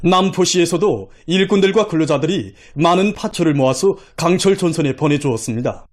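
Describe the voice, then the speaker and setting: A man's voice: on the high side, expressive, a little fast. A man with a North Korean accent narrating formal broadcast news with a stately, emphatic delivery.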